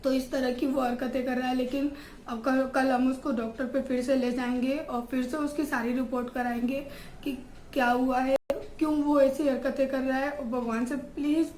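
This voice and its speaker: A woman's voice: high voice, a little mellow, reverberant, slight background noise. A woman talking to her viewers in a casual home vlog, in an emotional, heartfelt way. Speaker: vlogger and mother.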